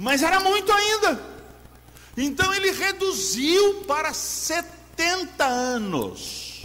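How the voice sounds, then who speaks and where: A man speaks in a raised, projected voice. The recording has audible room echo and noticeable background noise. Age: 60s. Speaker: pastor. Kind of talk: sermon.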